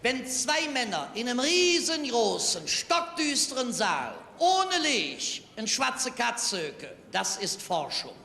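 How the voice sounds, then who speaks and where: Carnival comic, Cologne accent, sharp high voice, echoing hall with long reverb. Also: male voice, gravelly, a little hiss or hum. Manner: tall-tale storytelling with quick punchlines. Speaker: carnival comedian. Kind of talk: carnival stage routine. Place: large carnival hall stage.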